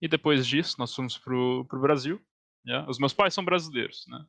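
A young man with a Brazilian Portuguese accent chats casually as a game developer guest. His voice is gravelly and bright, with a bit of tension in it. The sound is dry and close, and he keeps dropping easy "yeah" fillers. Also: medium pitch, normal speed, no echo. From born in Portugal, raised in Canada and Brazil. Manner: relaxed, frequent "yeah" fillers and soft laughs. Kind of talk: casual interview chat.

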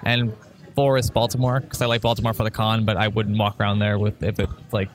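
A man's voice: fairly low pitch, flat delivery, brisk. Blunt, rambling man from Boston. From Boston area, United States. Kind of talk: casual chat. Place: restaurant.

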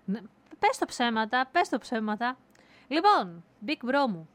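A woman from Greece hosting a casual podcast chat, talkative, lively and teasing. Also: a little high. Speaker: podcast host.

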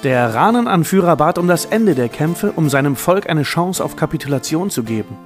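Ein Mann spricht als Erzähler einen vorbereiteten dokumentarischen Text. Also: male voice, fairly high pitch, animated, normal speed, soft background music. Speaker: narrator. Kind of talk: scripted documentary narration.

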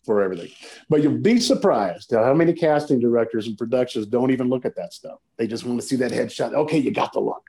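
Mellow-voiced actor telling anecdotes. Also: male voice, medium pitch, lively intonation, fast. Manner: emphatic, anecdotal storyteller. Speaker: actor guest. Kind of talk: casual chat.

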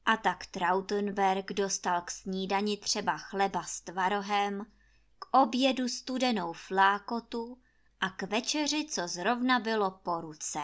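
A woman narrating a fairy tale for children in a lively, folksy storytelling manner. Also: medium pitch.

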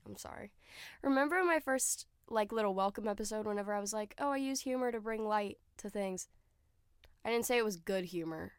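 A young woman chats through her solo podcast, her voice a bit nasal and stuffed up from a recent cold. The tone stays smooth and clean under the sniffles, and she rambles loosely with plenty of "like" and "um". The sound is dry and close, with no room behind her. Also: mid-range voice, dry recording. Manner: chatty, lots of "like" and "um" fillers. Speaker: podcast host. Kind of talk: casual solo podcast chat.

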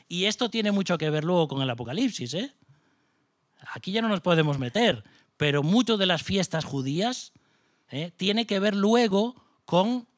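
A man's voice: high-pitched, fairly bright tone, dry recording, clean studio sound. A middle-aged man from Spain preaching a sermon with a Spanish accent, passionate, firing off rhetorical questions and mocking asides. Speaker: pastor.

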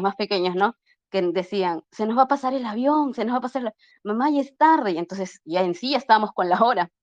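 A woman's voice: medium pitch, no room sound. A middle-aged woman, an interview guest telling her story casually and earnestly, acting out the dialogue as she retells it. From Peru. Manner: earnest, acts out dialogue while retelling, frequent restarts. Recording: slightly muffled lo-fi audio.

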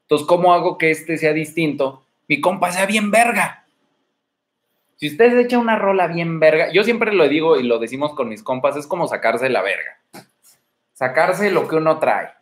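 A man with a Mexican accent speaks in a slightly raised voice, casually lecturing viewers of his home livestream. His manner is blunt and swaggering, salted with crude slang and rapid-fire rhetorical questions. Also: on the high side, lively intonation. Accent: Mexican Spanish. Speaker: dating advice livestream host. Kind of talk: casual livestream advice talk. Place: indoor room at home. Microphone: streaming from home.

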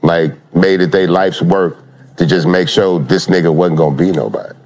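A man in a played clip giving forceful opinions. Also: low-pitched, normal speed.

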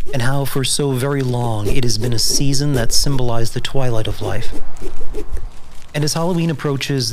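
A man's voice: mid-range voice, natural voice. Man playing pensive vault dweller, noisy background. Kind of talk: audio drama, reflective monologue.

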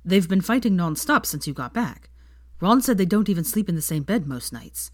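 A woman reading the lines of a young man who is a tired, blunt father, speaking in a low, muttered, weary way. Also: sing-song, moderate pace, dry recording, clean studio sound.

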